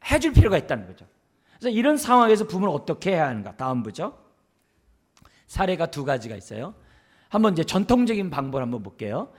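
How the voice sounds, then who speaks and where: Animated pastor firing rhetorical questions. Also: male voice, a little high. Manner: many rhetorical questions to the congregation. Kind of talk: sermon on parenting. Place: church service.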